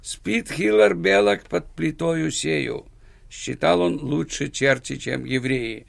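A man, a guest author on a radio show, hesitating with fillers and reciting short verse slowly. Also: a little high, vocal fry, dry recording. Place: radio studio.

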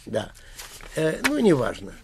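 A man's voice: mid-range voice, huge pitch swings, measured pace, creaky, over a noisy crowd. A man co-hosting a radio show, encouraging and prompting the guest. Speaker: radio co-host. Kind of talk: radio interview.

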